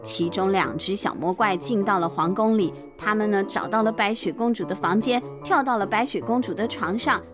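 A woman's voice: mid-range voice, normal speed, hardly any pauses. A woman with a Taiwanese accent narrating a children's bedtime story expressively, with playful asides. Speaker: children's storyteller, podcast host. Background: clear background music.

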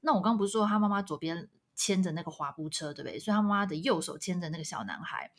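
A woman co-hosting a casual chat podcast, telling a story with lively delivery and acted-out quotes. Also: fairly low pitch, fast talker. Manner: animated, acts out quoted voices. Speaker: podcast co-host.

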